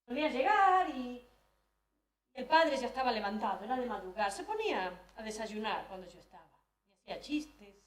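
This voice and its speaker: Woman, dramatic first-person monologue, hesitant restarts, fairly high voice, echoey hall. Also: sing-song, moderate pace, recorded from a distance. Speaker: storyteller. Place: live event hall. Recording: roomy hall, voice from afar.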